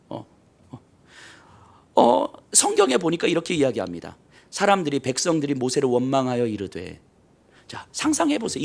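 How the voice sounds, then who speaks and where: A man preaching a sermon as pastor, telling the story dramatically and acting out the voices of people in it, swinging between loud bursts and hushed near-whispers. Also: a little high, creaky. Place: church sanctuary.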